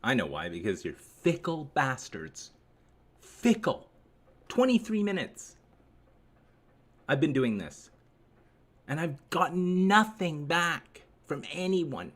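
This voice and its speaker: A man's voice: on the high side, sing-song, slow, pauses often, fairly bright tone. A man hosting a live stream, chatting to viewers in a rambling, sarcastic and profane way. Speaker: livestream host.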